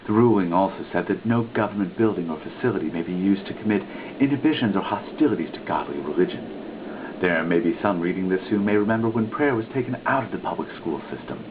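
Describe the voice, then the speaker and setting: A man giving a theatrical, mock-dramatic reading of a written text, with big swings in pitch and stress. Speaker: reader. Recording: tinny lo-fi recording with faint noise.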